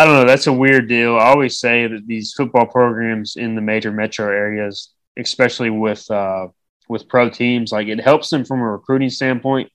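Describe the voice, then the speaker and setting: A podcast host with a mid-range, slightly nasal and a bit bright voice casually shares his opinions and game predictions on a sports podcast. The audio has no echo but is poor quality.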